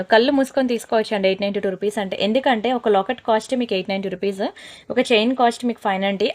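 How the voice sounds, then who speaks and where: A woman selling jewellery in a brisk, persuasive sales pitch, slipping into scolding asides. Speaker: jewellery seller.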